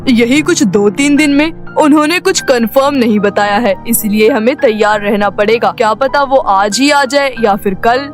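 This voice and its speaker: Woman doing an earnest, high-voiced father. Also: moderate pace, few pauses, soft background music, natural voice. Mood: hopeful. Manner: earnest, caring. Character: earnest, worried middle-aged father of a grown daughter. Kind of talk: animated moral story voice acting.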